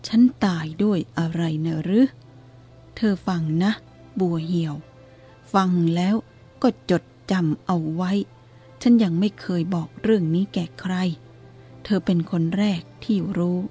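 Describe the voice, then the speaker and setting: A woman voicing a calm, teasing elderly male abbot who speaks in a steady, even tone. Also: mid-range voice, unhurried, breathy edge, soft background music.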